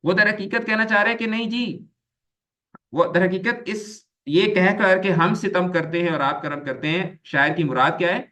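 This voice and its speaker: A man's voice: high voice, moderate pace, sharp tone. A man teaching an online grammar lecture, explaining patiently, repeating key terms and mixing English words into his explanations.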